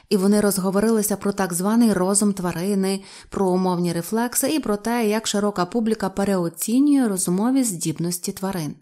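A woman reading a novel aloud as an audiobook narrator, in an even storytelling manner. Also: mid-range voice. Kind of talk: scripted narration.

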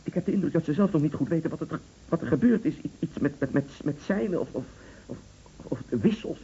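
Mellow, shaken, faltering man. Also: fairly high pitch, animated. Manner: halting, stammering, faltering. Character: shaken, hesitant man bringing grave news to his friend. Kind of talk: Dutch radio play acting. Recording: muffled, hissy old radio play recording.

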